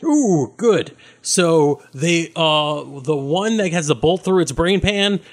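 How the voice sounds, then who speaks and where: A man's voice: fairly high pitch, lively intonation, slow pace. A man narrating as game master in a tabletop game, loose and chatty, with many fillers.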